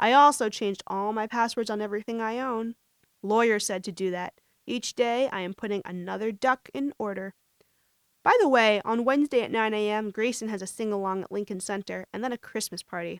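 With an American accent, a woman talks at a fairly quick pace in an unremarkable speaking voice with ordinary pitch variation. The sound is dry and close, with no echo. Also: fairly high pitch for a woman. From New York City, Upper West Side Manhattan. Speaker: student author. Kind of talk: reading aloud own memoir.

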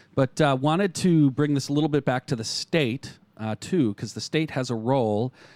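A man with a plain, everyday voice speaks at a fairly high pitch and moderate pace, with ordinary pitch variation. The recording is very clean, with a silent background and a dry, close sound with no echo. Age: 40s. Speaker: podcast host, advocacy group deputy director. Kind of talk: casual panel chat.

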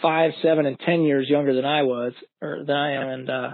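A man with an American accent and a plain, everyday voice speaks at a moderate pace, fairly high in pitch and with fairly even intonation. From Missouri, St. Louis area. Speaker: military pilot, former homeschooler. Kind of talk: interview. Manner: measured, with frequent fillers.

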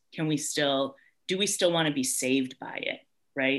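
A woman with an American accent speaks at a moderate pace. Her pitch is very deep and low. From Southeast Michigan, metro Detroit. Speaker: pastor. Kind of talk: casual Bible study discussion. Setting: video call.

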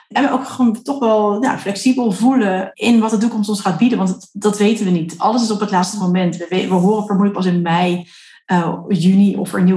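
A woman talks at a fairly quick pace in a somewhat breathy voice with a dark, mellow tone. Her pitch is medium, with ordinary pitch variation. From Netherlands. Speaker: podcast host, online marketing strategist. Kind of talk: conversational interview.

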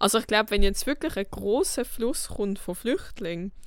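In a Basel accent, a woman speaks at a moderate pace with ordinary pitch variation. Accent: Basel Swiss German dialect. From Basel, Switzerland. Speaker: podcast co-host. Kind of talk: casual chat.

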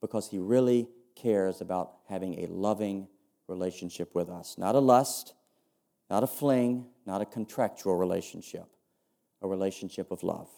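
With an American accent, a man speaks in a dark, mellow tone at a fairly low pitch. His moderate pace and ordinary pitch variation come through in a very clean recording with a silent background. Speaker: pastor. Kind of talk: sermon. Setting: church.

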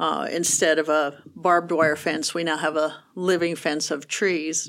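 A woman with a Midwestern American accent speaks at a very deep, low pitch. Her intonation is fairly even, on a very clean recording with a silent background. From Nebraska (Kearney). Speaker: college grounds supervisor, horticulturist. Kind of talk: interview.

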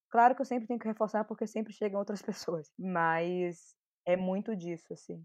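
A woman with an unremarkable speaking voice talks at a moderate pace. Her pitch is medium, and the background is quiet. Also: ordinary pitch variation. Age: 20s. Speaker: entrepreneur and content creator. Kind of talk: casual chat.

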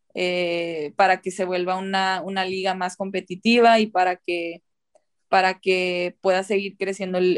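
A woman speaks fairly slowly at a medium pitch, her intonation monotone and flat. The sound is dry and close, with no echo. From US, Nampa, Idaho. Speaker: professional footballer. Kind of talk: interview.

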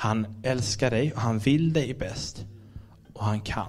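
A man's medium-pitched voice comes with audible room echo. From Sweden, Gothenburg. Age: 20s. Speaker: pastor. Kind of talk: sermon. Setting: church.

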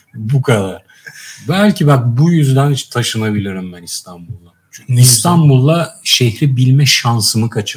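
Somewhat breathy, a man's medium-pitched voice has lively intonation and big swings in loudness. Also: moderate pace. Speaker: podcast co-host. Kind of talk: casual chat.

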